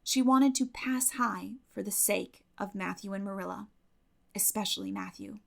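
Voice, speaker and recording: A woman audiobook narrator reading literary fiction expressively, with measured storytelling phrasing. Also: mid-range voice, vocal fry.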